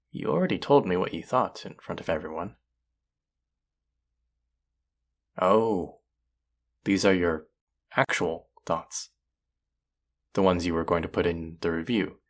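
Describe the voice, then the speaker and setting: Man acting a low, gravelly, slow-spoken chef rival. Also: exaggerated voice. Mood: hesitant, curious. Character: combative male chef, exasperated rival turning tender and earnest. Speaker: voice actor in audio roleplay. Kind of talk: intimate dramatic audio roleplay.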